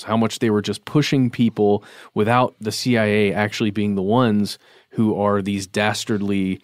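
A man in a casual podcast discussion, musing out loud in an earnest, slightly hesitant way. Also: on the low side, no echo, clean studio sound. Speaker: podcast co-host.

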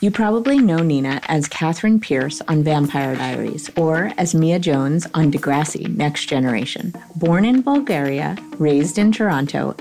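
A woman hosting a podcast, reading a scripted intro and then asking interview questions in a steady manner. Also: deep voice. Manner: steady, reads the intro then prompts with short "mm-hmm"s. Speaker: podcast host.

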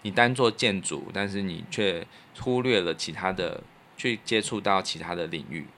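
A man with a Taiwanese Mandarin accent chatting casually and in an animated, opinionated way as a podcast host. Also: low-pitched, moderate pace, a little hiss or hum. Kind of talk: casual chat.

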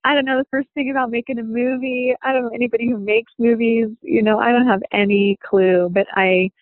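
A woman telling a personal story in an interview, reflective and halting, often pausing with "you know.". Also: on the high side, flat delivery, no room sound. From United States. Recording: dry, tinny phone-like sound.

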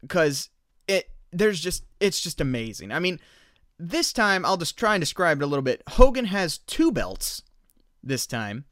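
A man's voice: on the high side, sing-song, a little slow, fairly bright tone, no echo, studio quality. A man hosting a podcast, chatting casually with amused, emphatic commentary. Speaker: podcast host. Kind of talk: casual chat with enthusiastic commentary.

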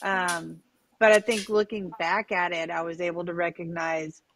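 A woman's voice: on the low side, level tone, normal speed, fairly bright tone, slight background noise. A woman in her thirties, a podcast guest, telling a personal story in a hesitant way, full of fillers and restarts. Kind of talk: candid conversational storytelling.

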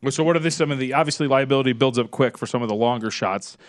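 A young man co-hosting a sports podcast, asking quick, eager questions. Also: medium pitch, no room sound, clean studio sound. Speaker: podcast co-host. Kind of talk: casual podcast chat.

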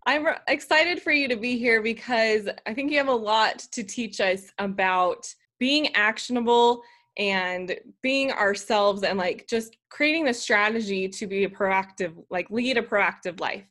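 A woman's voice: a little high, measured pace, fairly bright tone. A woman hosting a business podcast, upbeat and chatty, with a lot of "like" fillers. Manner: upbeat, uses many fillers like "like". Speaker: podcast host. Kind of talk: scripted intro then casual interview.

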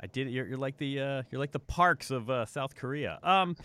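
A man hosting an interview, asking halting, stammering questions in a casual tone. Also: mid-range voice, lively intonation, pushed and bright, smooth, dry recording. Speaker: podcast host.

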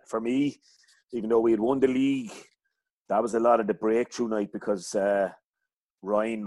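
A middle-aged man from County Clare speaks with a west of Ireland accent. His voice sits on the low side, recorded dry with little room sound. He chats casually and colloquially, wandering through his anecdotes. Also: a little mellow, no echo. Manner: colloquial, rambling storytelling. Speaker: interview guest, hurling coach.

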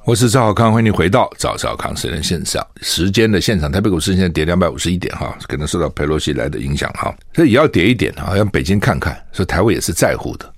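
An older man from Taiwan hosts a radio talk show and speaks fast, with a fairly low voice that swings up and down a lot. He fires off scolding rhetorical questions one after another. The studio sound is dry and close. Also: lively intonation, dry recording. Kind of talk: opinionated radio commentary. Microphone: studio microphone.

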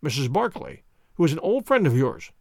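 A man reading an audiobook, voicing a calm, authoritative male detective who speaks in a measured, formal way. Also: on the high side, gravelly, no echo, clean studio sound, full character voice.

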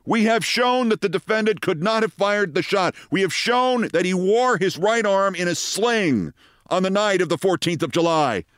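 Guy doing a dramatic lawyer speech, high voice, insistent, very dry sound. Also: lively intonation, normal speed, fairly bright tone, dry recording. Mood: forceful. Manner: declamatory. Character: dramatic, insistent courtroom defense attorney.

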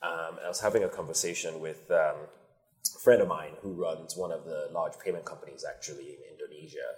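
A man from Nigeria, a company founder, answering interview questions in a measured, thoughtful way with frequent pauses. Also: extremely low pitch, steady tone, a little mellow. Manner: measured, thoughtful, many ums.

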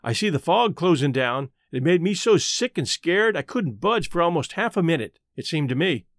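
A man's voice: a little high, very animated, normal speed. A man reading an audiobook as a plain-spoken, matter-of-fact Southern boy telling his own story. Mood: uneasy. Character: Huck, a folksy, matter-of-fact adolescent Southern boy narrator. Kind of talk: first-person audiobook narration.

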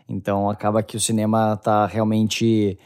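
A man's voice: fairly low pitch, completely flat delivery, moderate pace, darkish tone, clean tone. A man with a Brazilian accent co-hosting a podcast in casual conversation. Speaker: podcast co-host.

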